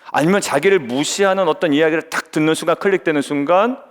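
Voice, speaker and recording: Clear and resonant, this man's rather high voice moves quickly as he preaches a dawn devotional from the church sanctuary. He keeps quizzing his congregation and performs the voices of those he quotes, all wrapped in the long echo of the hall.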